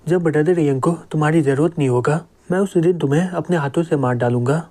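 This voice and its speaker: A man's voice: fairly high pitch, fairly quick, mellow, natural voice. A man voicing a tough young male security chief who talks in threats. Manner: blustering, threatening.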